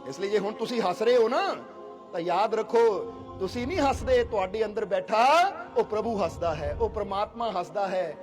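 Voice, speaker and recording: A man preaches in a very high voice, putting questions to his listeners and acting out the people he quotes. Clear music plays behind him throughout the sermon. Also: expressive, normal speed. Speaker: spiritual teacher. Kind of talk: devotional sermon.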